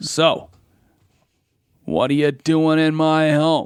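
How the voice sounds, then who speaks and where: Putting on a character voice, a man speaks with fairly high pitch and a drawl. His pace is very slow. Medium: actual play. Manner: folksy, drawling.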